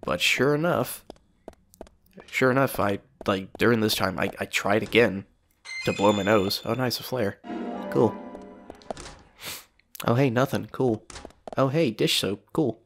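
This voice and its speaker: A man with a cold sniffles through casual let's play commentary, chatting rambly and swearing now and then as he plays a video game. He speaks low but fairly brightly, a little slowly with long pauses, over soft background music.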